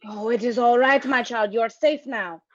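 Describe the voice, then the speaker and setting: High-voiced, concerned nun played by a woman. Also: normal speed, highs cut off, close to an everyday voice. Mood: soothing. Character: kindly, alarmed convent nun. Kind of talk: live radio play acting.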